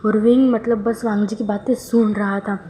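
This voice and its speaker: A woman's voice: medium pitch, fairly even intonation, normal speed, dark tone, a little hiss or hum. A woman casually narrating a fan-fiction story, rambling with lots of filler words.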